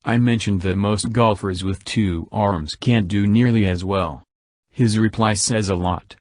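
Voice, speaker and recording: A man reading a self-help book aloud as an audiobook narrator, in a steady, measured way. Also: on the low side, no room sound.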